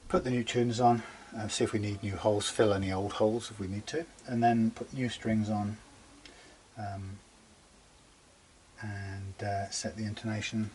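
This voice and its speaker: A man talking casually through a guitar setup in his workshop, rambling and chatty, muttering quietly as he works. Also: lowish voice, level tone, moderate pace, slight background noise. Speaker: guitar repair demonstrator. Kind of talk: casual workshop how-to talk.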